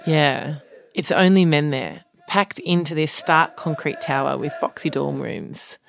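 A woman reporter narrating a documentary podcast in a calm first-person storytelling manner. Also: low voice, a little slow, creaky, a little hiss or hum. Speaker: reporter and co-host.

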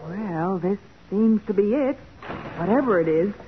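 A woman's voice: mid-range voice, animated, a little slow, lightly acted. Woman acting an anxious radio sidekick, tinny sound. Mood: amazed. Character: anxious, curious young female detective's assistant. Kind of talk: 1940s radio crime drama acting. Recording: thin, noisy 1940s radio recording.

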